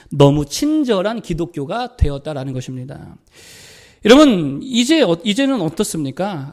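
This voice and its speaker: High-voiced emphatic Korean pastor. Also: male voice. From South Korea. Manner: emphatic preaching, repeats phrases and asks the congregation questions. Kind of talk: sermon. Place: church sanctuary.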